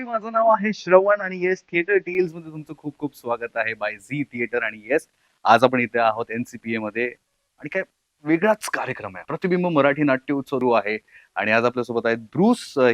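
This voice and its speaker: Very fast-talking Indian man hosting. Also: mid-range voice, a bit bright, no room sound, lo-fi sound. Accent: Indian, Marathi. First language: Marathi. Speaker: radio jockey host. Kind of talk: bilingual interview hosting.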